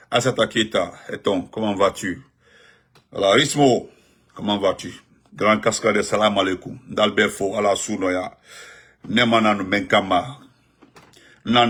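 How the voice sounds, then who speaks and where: A man, giving animated live-stream political commentary and greeting viewers, repeating himself and jumping up in pitch when he stresses a point. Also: slightly rough. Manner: excited, repetitive, pitch jumps up sharply when emphatic.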